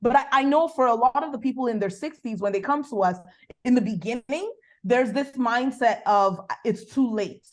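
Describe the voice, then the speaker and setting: Brief: Nigerian-accented woman, business coach guest, animated sermon-like delivery. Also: a little high. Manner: animated, preacherly, bursts of quick speech. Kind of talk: faith-based coaching conversation.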